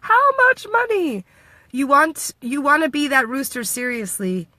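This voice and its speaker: A woman's voice: high-pitched, big pitch swings, a little slow, sharp tone, no room sound. A woman from the United States chatting playfully in a casual vlog, laughing often and acting out what others said. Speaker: vlogger. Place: Washington State.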